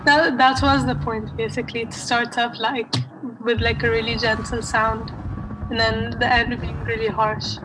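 A woman musician answers interview questions hesitantly, full of fillers and restarts. Her voice is fairly high but stays flat and even, with music clearly audible behind her. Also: low-quality recording. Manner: hesitant, halting, with many fillers. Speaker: musician guest. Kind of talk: casual interview.

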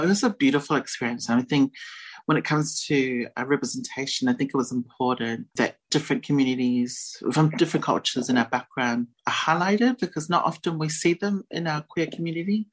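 A woman's voice: extremely low pitch, breathy edge, rough recording. A woman who grew up in Australia, answering conversationally as an interview guest. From born in New Zealand, grew up in Australia. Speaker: interview guest, series host.

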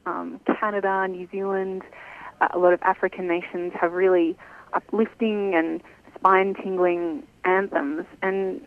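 Female journalist over the phone: fry in the voice, lo-fi phone sound, chatty and thoughtful. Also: fairly low pitch, level tone, a little slow. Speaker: journalist guest. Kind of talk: phone interview. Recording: tinny phone line.

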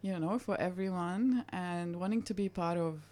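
Chatty woman radio host, low-pitched. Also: normal speed, a little hiss or hum. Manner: warm, chatty, many fillers like um and yeah. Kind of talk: casual radio interview.

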